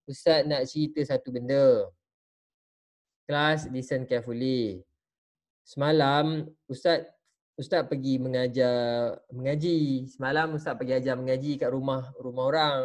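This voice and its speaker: A man teaching religious studies to children over a video call, telling them a story and stopping often to ask them questions. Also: on the high side. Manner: animated, talks straight to the children and asks them questions. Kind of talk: teaching an online class, storytelling.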